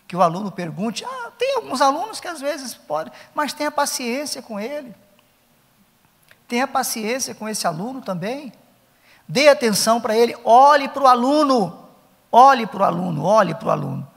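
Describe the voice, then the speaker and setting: A man's voice: high-pitched, long reverb tail. A middle-aged man with a Brazilian Portuguese accent, lecturing Sunday school teachers at a church conference, emphatic and repeating his key points.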